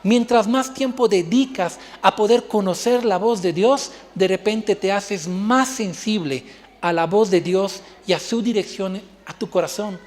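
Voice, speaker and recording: A man's voice: high voice, measured pace, a little mellow, long reverb tail. A male pastor preaching a sermon, telling a personal story and acting out the dialogue. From Bolivia.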